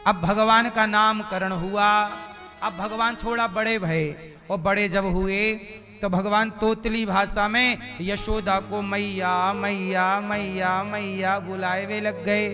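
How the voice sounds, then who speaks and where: High-voiced, slow-paced male preacher. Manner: lively storytelling, bursts into chant and song. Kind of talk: devotional sermon with call-and-response. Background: devotional instrumental music.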